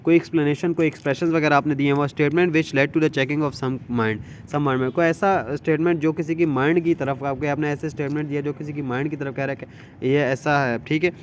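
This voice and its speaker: A man's voice: fairly high pitch, fairly even intonation, brisk, a little hiss or hum. A man with a Pakistani accent giving an explanatory law lecture, reading out formal text and explaining it informally in a repetitive way with frequent check-ins.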